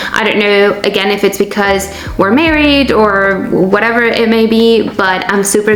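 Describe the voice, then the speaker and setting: A woman's medium-pitched voice with a Spanish accent, at a moderate pace with ordinary pitch variation, amid audible room echo and noticeable background noise. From Venezuela. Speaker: vlogger. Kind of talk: vlog tutorial.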